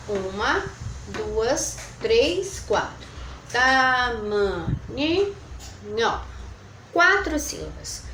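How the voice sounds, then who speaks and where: A woman teaching a recorded review lesson to children, counting syllables slowly and using sweet diminutives. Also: medium pitch, a bit bright. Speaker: primary school teacher. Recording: echoey room, faint background noise.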